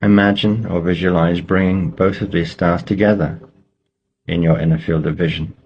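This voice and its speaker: A man leading a guided meditation, giving slow, measured instructions with pauses between phrases. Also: deep voice, fairly even intonation, breathy edge, muffled recording.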